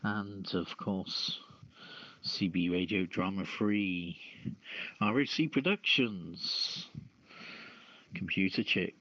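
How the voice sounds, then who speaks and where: A man hosts a casual online radio show in a slow, deliberate, halting way. The sound is dry and narrow, like a phone connection, with little room around his voice. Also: sits low, pushed and bright, dry recording. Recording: phone-like two-way app audio.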